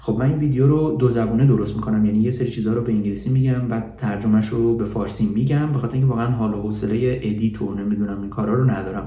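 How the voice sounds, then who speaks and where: Very fast speech from a man with a fairly low pitch and a Persian accent, fairly even intonation, audible room echo and noticeable background noise. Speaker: travel vlogger. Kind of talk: casual travel review monologue. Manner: hesitant with many fillers.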